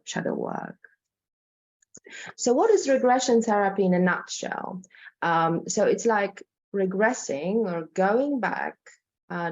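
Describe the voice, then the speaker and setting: Speaking in a lowish, darkish voice, with the high frequencies cut off in the recording, this hypnotherapist from Poland presents informally in a Polish accent. She hesitates, repeats herself, and often ends lines with "right?" to check in with her audience.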